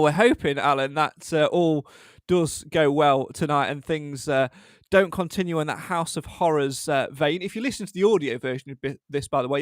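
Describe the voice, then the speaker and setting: Upbeat host, high bright voice. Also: male voice, no echo, studio quality. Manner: chatty, self-deprecating, with frequent fillers. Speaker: podcast host. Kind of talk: casual live podcast hosting.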